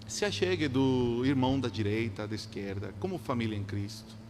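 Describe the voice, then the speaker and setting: Man preaching in a noisy, echoing hall. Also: mid-range voice. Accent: non-native, Spanish-influenced Portuguese. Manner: earnest, exhorting, with short phrases and pauses. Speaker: pastor preaching to a congregation. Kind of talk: sermon. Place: large church hall, live before a congregation. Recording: echoing hall with loud background hum.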